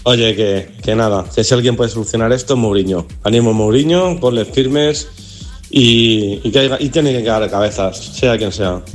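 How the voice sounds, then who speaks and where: A man calling in to a sports radio show, forceful and demanding, in a recorded voice message. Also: lowish voice, normal speed. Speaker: listener calling in. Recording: voice message over faint music.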